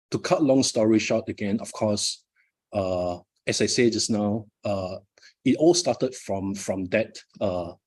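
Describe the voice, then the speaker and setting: A middle-aged Malaysian man whose native language is Malay gives a live motivational talk at his book launch, leaning on frequent fillers and repeated words. His voice is on the low side, a little mellow and husky.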